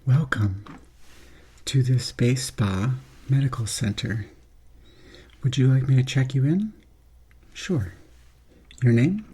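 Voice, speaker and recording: A soft-spoken man doing an ASMR roleplay in an unhurried, reassuring manner. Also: mid-range voice, breathy edge. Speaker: ASMR performer playing a substitute surgeon.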